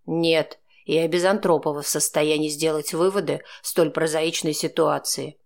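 Woman doing a cool sarcastic man, blunt and curt, low voice, audiobook. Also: fairly even intonation, moderate pace, vocal fry. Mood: sardonic.

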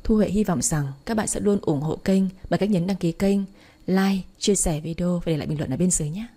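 A woman narrating a family drama story in a steady voice, hosting her own storytelling channel. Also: fairly low pitch, brisk.

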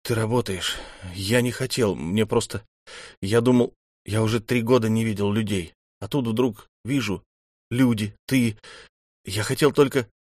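A man voicing a young male alien cyborg who speaks in halting, apologetic sentences. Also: lowish voice, a little mellow, no room sound, studio quality. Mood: guilty. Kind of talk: audiobook character voice.

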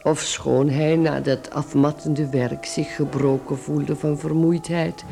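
A man giving measured, literary narration for a radio drama. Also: on the high side, level tone, vocal fry, warm tone, faint music behind.

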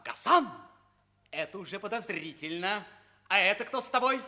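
A man's voice: high-pitched, expressive, normal speed, sharp tone, full character voice. A man playing a suspicious, officious officer in a theatrical 1960s radio comedy, taunting and giving commands. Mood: mocking, commanding. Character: suspicious, mocking, officious captain arresting people.

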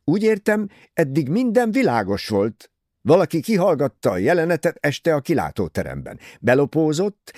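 Man voicing an emphatic, excitable detective. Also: fairly high pitch, no room sound, clean studio sound, voice pushed up. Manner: emphatic, insistent, raises voice. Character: small, excitable male detective, forceful and insistent.

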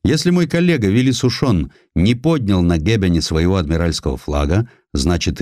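A confident British admiral of an audio history drama, acted out by a male reader. His voice is deep and swings expressively as he weighs things up and gives orders in a close, dry sound. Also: warm tone, no room sound. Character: British admiral, musing and self-assured naval commander.

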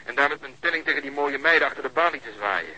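Sharp, fast-talking wisecracking cop. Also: male voice, medium pitch, expressive, low-quality recording. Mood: brisk, amused. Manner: sardonic, joking. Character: wisecracking male policeman on surveillance, cheerfully sardonic. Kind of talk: naturalistic radio drama dialogue.

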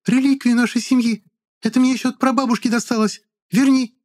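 A male narrator voicing a shrill, hysterical young woman who keeps shrieking accusations. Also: steady tone, brisk, darkish tone, close to an everyday voice. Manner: shrieking, whiny, insistent. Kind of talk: audiobook character voice.

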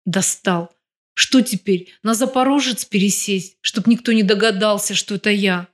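A woman reading the part of a bold, headstrong female crime boss in an audiobook, cutting and sharp. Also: mid-range voice, moderate pace, lightly acted. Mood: defiant.

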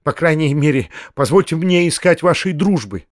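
A man's voice: on the high side, animated, normal speed, no echo, clean studio sound, close to an everyday voice. A man reading an audiobook, voicing a weak young man pleading and making excuses. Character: weak young man, desperate and self-pitying.

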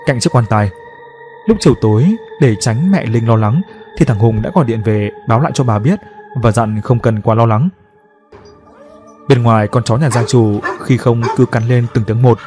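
A man tells a scripted horror story in a steady, dramatic way. His voice sits in a middle pitch. Soft music plays faintly behind him.

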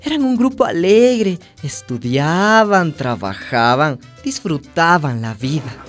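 Young trans woman, low voice, swooping intonation, sensitive, hopeful, confiding, radio drama. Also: sing-song, slow, soft background music, heavily acted. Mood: reflective narrating. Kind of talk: radio drama narration and dialogue.

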